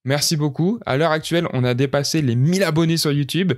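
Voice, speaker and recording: A man from France hosting a podcast, chatting casually with playful deadpan jokes and lots of hesitation. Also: fairly high pitch, fast talker. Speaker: podcast host. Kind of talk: casual chat.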